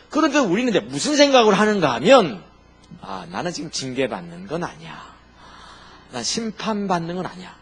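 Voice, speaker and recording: Husky, animated Korean pastor preaching. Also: male voice, high-pitched. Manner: asks the congregation rhetorical questions, jokes and laughs; lively, emphatic preaching with sudden loud and quiet turns. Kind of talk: sermon.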